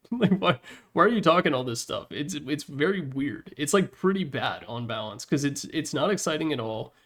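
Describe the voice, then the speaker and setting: A man's voice: on the high side, expressive, normal speed, a bit bright. A young man giving casual, opinionated commentary on video games in an informal, slangy, joking way.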